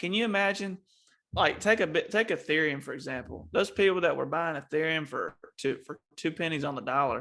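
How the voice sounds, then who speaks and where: In a Southern US accent, a man with a fairly high pitch and a bright, sharp tone talks at a fairly quick pace with ordinary pitch variation. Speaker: crypto podcast host. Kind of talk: casual chat.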